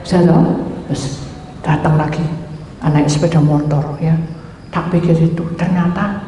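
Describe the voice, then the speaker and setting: A woman pastor preaches, telling her story with animated, acted-out dialogue. Her voice rings through a very echoey hall with a long reverb tail. Faint room noise sits behind her. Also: deep voice, normal speed. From Indonesia. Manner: animated storytelling, acts out quoted dialogue, mixes in Javanese. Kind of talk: sermon.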